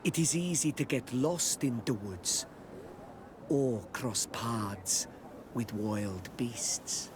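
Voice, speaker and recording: An actor playing a guarded, curt tribal villager in a video game, with terse, formal, halting phrasing. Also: male voice, mid-range voice, background noise, natural voice. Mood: scornful, ominous.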